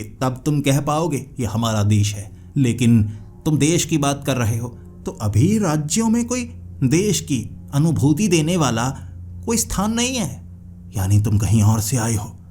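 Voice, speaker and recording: A man's voice: mid-range voice, dark tone, a little hiss or hum, lightly acted. A man voicing an ancient royal minister who interrogates a stranger in a probing, questioning manner.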